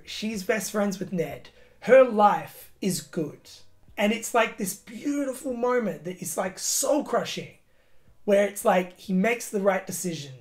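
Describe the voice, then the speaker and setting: A woman giving a casual, emotional film review, swearing often and filling her talk with "like" and "you know". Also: medium pitch.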